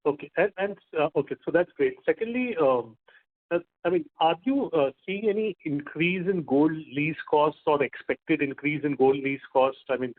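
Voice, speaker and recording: A man asking questions as an investment analyst on an earnings call, phrasing them haltingly. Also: on the high side. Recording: narrow phone-like conference line.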